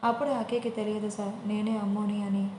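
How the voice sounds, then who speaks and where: A feisty young bride-to-be, voiced by a woman storyteller answers with teasing, indignant spirit. The pitch sits mid-range with little movement. An echoey room and faint hum sit behind the voice. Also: little pitch movement, a little fast, darkish tone, natural voice. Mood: earnest. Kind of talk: audio story character voice.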